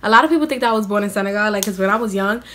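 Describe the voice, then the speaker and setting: Rapid-fire and a bit bright, this medium-pitched young woman from the US vlogs from a small room, replying to viewers' questions on camera. Her manner is blunt and slang-heavy with constant "like" fillers, over slight background noise.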